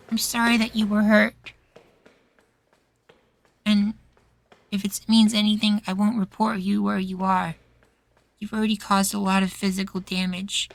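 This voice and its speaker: A man acting a sweet, anxious, devoted young boywife in a soft, pleading ASMR roleplay. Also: high-pitched, flat delivery, slow, gravelly, pauses often, heavily acted. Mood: earnest, forgiving.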